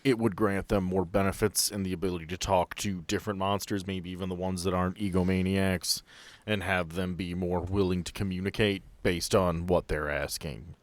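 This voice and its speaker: A man's voice: low-pitched, little pitch movement, normal speed, no echo. A man narrating and running a tabletop game as game master, explaining rules at length.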